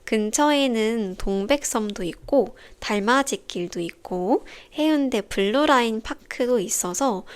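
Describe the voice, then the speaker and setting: A young woman hosting a podcast for language learners, explaining in a calm, clear, carefully paced scripted way. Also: medium pitch. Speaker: Korean teacher podcast host.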